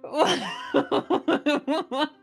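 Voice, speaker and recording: Very slow, high-voiced woman. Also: fairly even intonation, creaky, faint music behind. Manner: laughing, swears freely. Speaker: stream guest. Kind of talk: casual chat.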